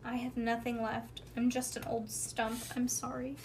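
A woman voicing a gentle, loving, giving female tree from a picture book, with a tender, pleading manner. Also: a little high, completely flat delivery, a little slow. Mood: sad, apologetic. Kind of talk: picture-book read-aloud. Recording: home recording with background noise.

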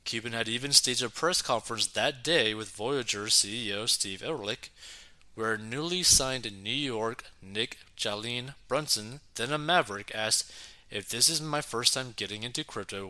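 Bright-voiced man reacting to news. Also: mid-range voice, moderate pace. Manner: reads article, breaks off with excited reactions and many "like"s. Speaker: commentator reading and reacting to news. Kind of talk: casual news reaction commentary.

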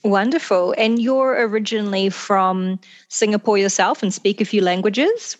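A woman's voice: mid-range voice, moderate pace. A woman hosting an interview podcast, enthusiastic and effusive as she welcomes and questions her guest. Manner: warm, enthusiastic, effusive praise. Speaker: podcast host.

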